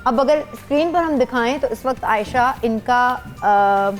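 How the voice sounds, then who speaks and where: High-voiced woman doctor explaining patiently. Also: measured pace, faint music behind. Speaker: skin doctor guest. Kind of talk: explaining products on a talk show.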